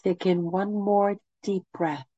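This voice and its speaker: A woman with a head cold and a nasal voice, leading a guided meditation with gentle, soothing instructions. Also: mid-range voice, steady tone, takes it slowly, dry recording, highs cut off.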